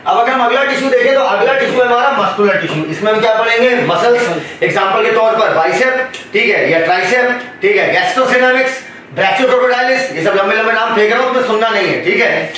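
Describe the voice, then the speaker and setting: In an echoey classroom recorded from a distance, a biology teacher addresses his students as "beta" and keeps quizzing them with questions. He speaks a little fast in a high-pitched voice with a sharp tone, over slight background noise.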